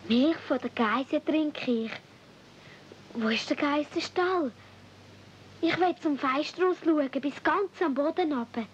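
A woman's voice: high voice, slow pace. An actress playing a naive, homesick little girl from the mountains in a 1970s radio play, in a simple childlike manner. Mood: earnest, wishful. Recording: dull, noisy old radio play recording.

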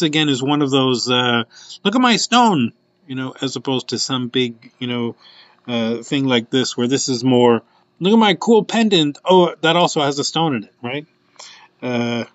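A man's voice: medium pitch, a bit bright, no room sound. A man hosting a casual live showcase, describing jewelry pieces in a chatty, rambling way with many fillers. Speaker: host presenting jewelry findings.

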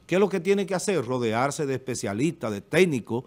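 A middle-aged man from the Dominican Republic, a panelist on a local TV talk show, argues politics emphatically into a desk studio microphone. His medium-pitched voice is expressive and brisk, with a Dominican Spanish accent. He moves his hands as he speaks, with a recurring filler "eh."

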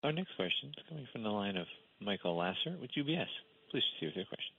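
A man's voice: lowish voice, big pitch swings, quick pace, vocal fry, a bit bright, breathy edge. A man working as a conference call operator, making scripted announcements. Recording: dull, muffled call audio.

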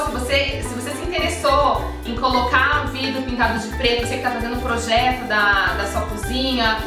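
A woman in her thirties with a Brazilian Portuguese accent, chatting casually in a home vlog from her kitchen and gesturing as she explains. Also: high-pitched. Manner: chatty, friendly, talks with her hands, frequent restarts. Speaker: home organization vlogger. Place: modern home kitchen, indoors. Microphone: camera at medium distance. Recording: echoey, distant, with background music.

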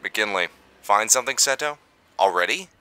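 An actor playing a steady, reassuring investigator in an audio drama, businesslike in manner. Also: male voice, on the low side, normal speed, heavy background noise, natural voice. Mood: focused, steady.

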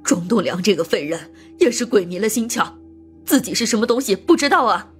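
A woman playing a bitter, domineering older mother in an audiobook drama, scornful and ranting in a husky voice. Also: medium pitch, expressive, fairly quick, faint music behind. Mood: contemptuous. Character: bitter, domineering, sharp-tongued older mother of a murdered daughter.

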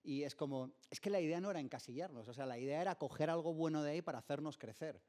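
A middle-aged Spanish man hosts a conversation about personality and money. His voice sits a bit high, and his prompts come across as conversational. He speaks into a stand mic on a stage. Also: fast, a little mellow. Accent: Spanish from Spain. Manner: conversational, leads with short prompts. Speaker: host. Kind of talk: interview host questions. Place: event stage. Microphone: studio mic on stand.

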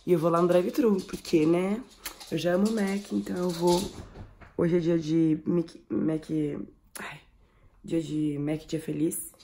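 A woman in her thirties with a Brazilian Portuguese accent speaks low, with vocal fry and a warm tone over a faint hiss or hum. A mother and family vlogger, she chats affectionately and exclaims often in a casual family vlog.

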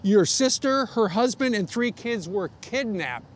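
An American man in his sixties hosting a live broadcast interview, talking in a halting, conversational way. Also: high voice, animated. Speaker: TV news host interviewing guests. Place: outdoor rooftop terrace in a city. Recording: outdoor live broadcast, clear background noise.

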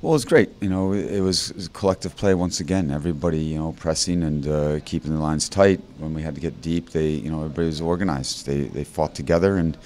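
A man in his fifties, a head coach in a postgame interview, talking haltingly with many fillers and restarts into a handheld mic. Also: very deep voice, fairly even intonation, darkish tone. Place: indoor interview backdrop. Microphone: handheld mic held by interviewer.

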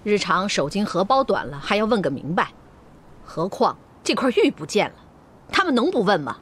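A woman's voice: medium pitch, big pitch swings, normal speed, slightly rough. A middle-aged actress playing a stern, commanding noble mother in a period TV drama.

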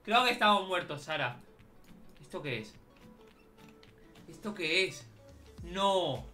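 A man giving excitable let's-play commentary, often shouting and calling out in a frantic way. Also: high-pitched, takes it slowly, soft background music. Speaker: Roblox gaming YouTuber.

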